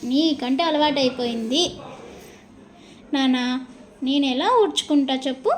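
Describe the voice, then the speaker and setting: A woman's voice: sits high, normal speed, slight background noise, lightly acted. A woman voicing a complaining son in a joke.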